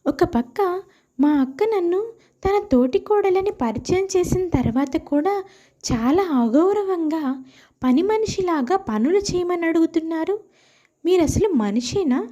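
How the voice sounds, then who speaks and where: A woman's voice: extremely high pitch, dark tone, highs cut off. A woman voicing a wronged young daughter-in-law who protests outspokenly in a family moral story. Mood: indignant.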